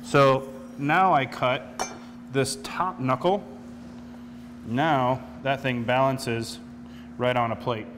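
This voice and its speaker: A man's voice: medium pitch, takes it slowly, long pauses, long reverb tail, a little hiss or hum. A man in his forties, a chef walking through a cooking demonstration step by step in a studio kitchen. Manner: explanatory, steady step-by-step instructions.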